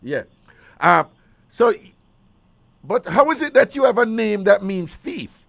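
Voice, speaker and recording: A man's voice: sits high, big pitch swings, unhurried, creaky, fairly bright tone. A man with a Jamaican accent hosting a live call-in radio show, teasing callers and repeating their answers back in a playful way. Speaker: radio talk show host.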